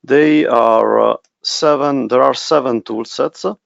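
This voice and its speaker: A man with an Italian accent presenting a software webinar, speaking haltingly with many pauses. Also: mid-range voice, gravelly, no room sound, highs cut off. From Italy. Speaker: technical specialist presenter.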